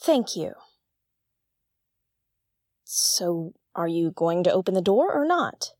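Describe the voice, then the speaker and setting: A woman's voice: lowish voice, very animated, takes it slowly, darkish tone, no echo, studio quality, exaggerated voice. A woman playing an inquisitive young spaceship explorer in an audio drama, wryly talking to herself as she goes. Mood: wry, exasperated. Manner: talks to herself, wry and inquisitive. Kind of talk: audio drama acting, narrating actions aloud.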